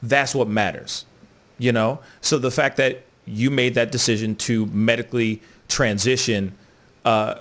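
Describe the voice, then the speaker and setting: A man's voice: mid-range voice, steady tone, a little slow, fairly bright tone. A man with a mid-range voice hosts a casual conversation. He is easygoing and often adds filler phrases while he talks. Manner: laid-back, repeats "you know what I'm saying". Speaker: host.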